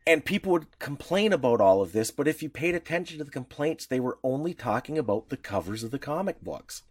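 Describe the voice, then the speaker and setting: Lively rambling male podcast host. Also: mid-range voice, fairly quick, no echo, clean studio sound. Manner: rambling, animated, many restarts. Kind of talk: casual chat.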